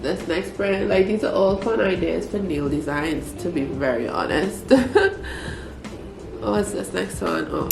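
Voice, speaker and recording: A young woman from Trinidad and Tobago, speaking with a Trinidadian accent in a medium, creaky voice, chats in a home vlog. She sounds stuffy and congested, stays relaxed and chatty, and uses lots of fillers. The room is echoey with faint ambient noise.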